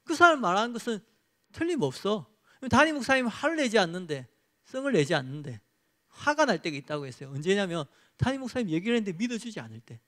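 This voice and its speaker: A man's voice: sits high, big pitch swings, fast talker, fairly bright tone. A male pastor preaching a sermon and leading a closing prayer in an earnest, exhorting manner.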